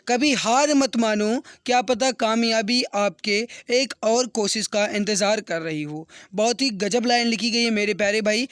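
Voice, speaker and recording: Hoarse male teacher with a high voice. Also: a bit bright, no room sound, clean studio sound. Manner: earnest, encouraging, repeats each question. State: sore, strained throat. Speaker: exam-prep teacher. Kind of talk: online exam practice class.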